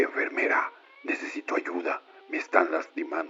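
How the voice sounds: Whispering in a put-on character voice, a man sounds raspy and hoarse at a moderate pace.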